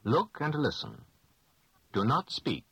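Male, low and slightly husky, precise enunciation for a recorded language drill, dry sound. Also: huge pitch swings, fairly bright tone, no room sound. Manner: slow, clearly enunciated answers. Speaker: language lesson speaker.

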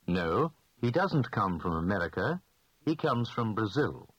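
A man giving slow, clearly spoken answers in a scripted language lesson drill. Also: fairly low pitch, very animated, no room sound, muffled recording.

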